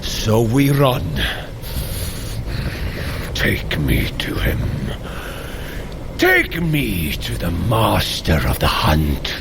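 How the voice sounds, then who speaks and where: Slow, gravelly, wrathful thunder god. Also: male voice, fairly low pitch, wildly swooping pitch, noisy background, exaggerated voice. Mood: pained, weary. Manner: grandiose, archaic, declamatory speech. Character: wrathful, booming thunder god warrior, proud and grandiose. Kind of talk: fantasy audio drama acting. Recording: dramatic music behind.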